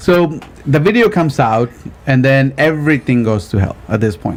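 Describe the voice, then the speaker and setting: Over noticeable background noise, a man with a Spanish accent speaks with ordinary pitch variation. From Guatemala. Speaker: podcast co-host. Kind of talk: casual chat. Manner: halting.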